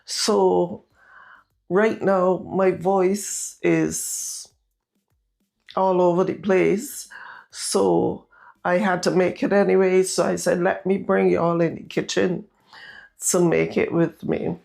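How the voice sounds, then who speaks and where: A woman with a Barbadian accent and a naturally husky voice, raspier than usual from a sore throat, chatting to viewers as she cooks in her home kitchen. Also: fairly low pitch, level tone, slow, darkish tone. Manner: chatty, talks straight to viewers. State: raspy, irritated throat. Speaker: home cooking vlogger. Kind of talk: casual recipe vlog.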